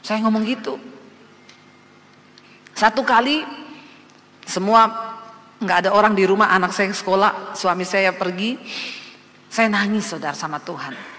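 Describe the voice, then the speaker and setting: Woman pastor, Indonesian accent, bright and piercing, expressive testimony sermon, long hall reverb. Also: mid-range voice, measured pace, long pauses. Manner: expressive, storytelling, lively swings in loudness.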